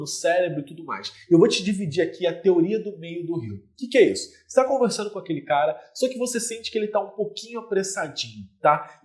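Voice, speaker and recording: A man with a Brazilian Portuguese accent, a relationship mentor talking straight to the viewer and explaining with everyday images. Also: high voice. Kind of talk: direct-to-camera coaching talk.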